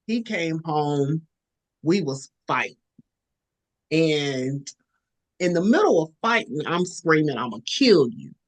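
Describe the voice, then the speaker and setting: Woman co-host, low voice with big swings, animated storyteller who jumps to squeaky quoted voices. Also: slow pace, long pauses. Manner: acts out quotes in high squeaky voice. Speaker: podcast co-host.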